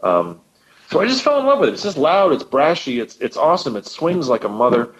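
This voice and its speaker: A man's voice: a little high, big pitch swings, brisk, lo-fi sound. A man chatting on a podcast as guest co-host, talking with eager enthusiasm and often repeating words as he goes. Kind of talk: casual podcast conversation.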